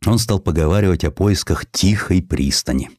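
A man narrating a historical sketch in an expressive scripted style, with dramatic, deliberate phrasing. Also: deep voice, no echo, studio quality. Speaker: audiobook narrator.

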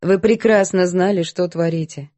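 A woman voicing a composed, firm governess who speaks calmly and evenly, a little lower. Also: no echo, close to an everyday voice. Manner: calm, measured, composed. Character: calm, firm older English governess.

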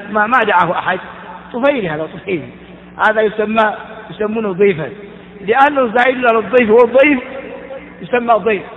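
Guy teaching grammar, high voice, quizzing the class, echoey dull recording. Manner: explains step by step, asks the class questions; chants verse in a sing-song.

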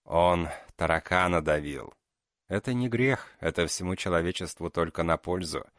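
A man voicing a calm, mocking male killer known as the beast. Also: low-pitched, no echo, clean studio sound. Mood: cold. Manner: cold, unhurried, mocking.

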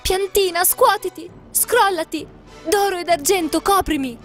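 A woman reading a fairy tale and voicing a kind young girl who calls out in a high, imploring voice. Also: very animated, a little slow, faint music behind. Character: gentle pleading young girl, kind and humble.

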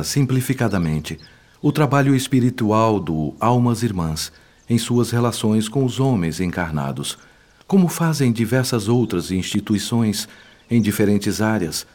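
A wise, patient spirit mentor in a Brazilian radio drama. He has a lowish voice with very lively intonation and explains things formally, with grave compassion. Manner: didactic, formal, eloquent. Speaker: instructor.

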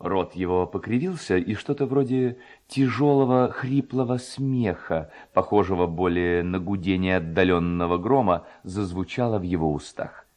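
Deep, deliberate male literary narrator. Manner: theatrical, expressive, deliberate. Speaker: narrator and reader. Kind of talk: literary storytelling, scripted narration.

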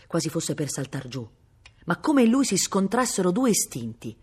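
A woman from Italy with a low voice reads a novel aloud for a public library. She tells the story with feeling, slowing for tense moments and jumping high and loud for the characters' shouts. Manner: expressive storytelling, raising pitch and volume sharply for quoted shouts; slows down on tense moments, hisses the cat's sounds. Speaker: volunteer reader for a public library.

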